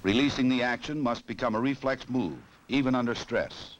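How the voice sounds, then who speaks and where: An American man reading scripted 1960s training film narration in a formal, measured, authoritative way. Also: mid-range voice, dull audio. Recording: noisy old film soundtrack.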